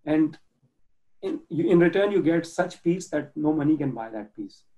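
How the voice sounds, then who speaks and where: A man from Pakistan talking earnestly about his nonprofit work as a guest on a video call, halting often with restarts and fillers. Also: a little high, lively intonation, mellow, rough recording. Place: home in Germany.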